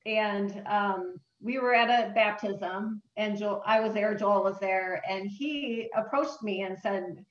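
A woman's voice: mid-range voice, slow pace, hardly any pauses, dull audio. Bubbly Northern Midwest woman, distant and roomy. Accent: Northern Midwest American. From upper Midwest of the USA. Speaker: church planter, interview guest. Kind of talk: casual interview storytelling.

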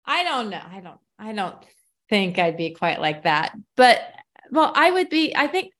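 A woman's voice: medium pitch, very animated, a little slow, a bit bright. A woman hosting a podcast, chatting frankly, swearing at times and laughing easily. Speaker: podcast host. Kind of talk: casual podcast chat.

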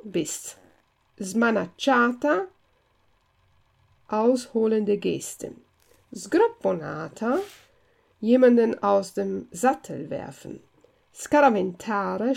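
Slow, deliberate woman language teacher. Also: mid-range voice, gravelly, darkish tone. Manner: reads each word slowly and distinctly, pairing Italian and German. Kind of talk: slow vocabulary glossary reading.

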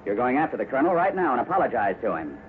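A man's voice: mid-range voice, sing-song, very fast, close to an everyday voice. An actor playing a stern, fatherly cowboy who speaks firmly in a 1950s radio western, on a scratchy, tinny recording. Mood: stern, scolding. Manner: firm, scolding, fatherly. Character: stern, upright cowboy foreman, fatherly to a boy.

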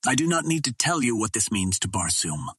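A man's voice: mid-range voice, big pitch swings, brisk, a bit bright, husky. A man voicing a solemn alien ruler who addresses his council in formal oratory, in an audiobook. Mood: grave, urgent.

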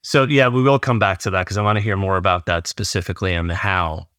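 A podcast host with a low but bright, forceful voice, recorded dry with no room sound. He is eager and talkative, stringing together long questions. He sounds comfortable leading the conversation. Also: fairly even intonation, fast, no room sound. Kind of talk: hosting an interview.

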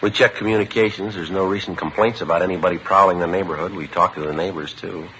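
A man's voice: deep voice, fairly even intonation, fast talker, sharp tone, slight background noise. An actor playing a terse, matter-of-fact police detective who narrates his case in a clipped, businesslike way, in the style of 1950s radio drama. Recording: lo-fi vintage radio broadcast with music.

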